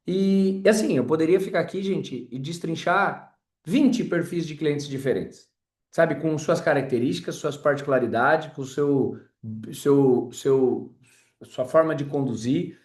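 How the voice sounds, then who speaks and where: Male sales trainer, high-pitched and chatty, informal class in a reverberant room. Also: a little slow, a little mellow. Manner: chatty, tells personal stories, addresses audience as "gente".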